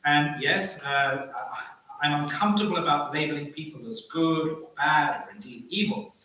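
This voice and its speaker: A man speaking as a panelist, arguing a point in halting phrases with repeated words. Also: on the high side, sharp tone. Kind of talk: impassioned debate argument. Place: live panel event in an echoey room. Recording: very echoey room, distant microphone.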